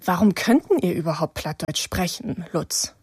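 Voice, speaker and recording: A woman's voice: lowish voice, expressive, normal speed, darkish tone, breathy edge, no echo. A woman presents a children's radio show with a playful, inviting manner, drawing her guests out with questions. Her voice sits close and dry on the studio mic.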